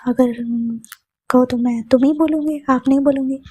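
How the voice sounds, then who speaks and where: A woman voicing a stern but amused woman teacher who scolds firmly in a breathy, mellow voice. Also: high-pitched, steady tone, normal speed, no room sound. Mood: scolding. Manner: scolding, firm.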